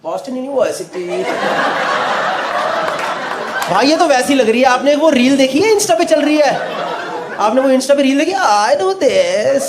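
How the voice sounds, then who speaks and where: A man's voice: very high voice, normal speed, pauses often. A male stand-up comedian doing teasing crowd work, switching between Hindi and English. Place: live comedy venue with laughing audience. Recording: loud crowd and noise from a live show.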